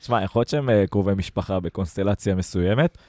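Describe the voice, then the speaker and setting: A man's voice: sits low, dark tone, no room sound. Man hosting a football podcast, dry sound. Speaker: podcast host. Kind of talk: casual football fan chat.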